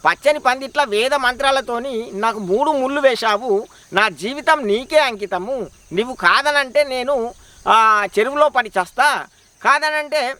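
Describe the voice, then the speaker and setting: Brief: a devoted village wife from Telangana, insistent and pleading, a man doing her in a bright, high voice. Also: unhurried, no echo, full character voice. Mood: indignant. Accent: Telangana Telugu.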